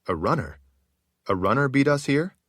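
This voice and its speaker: A man's voice: medium pitch, big pitch swings, normal speed, fairly bright tone, breathy edge, dry recording, clean studio sound, pitched above the performer's own voice. A man doing an impatient, anxious lord. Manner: urgent, impatient questioning.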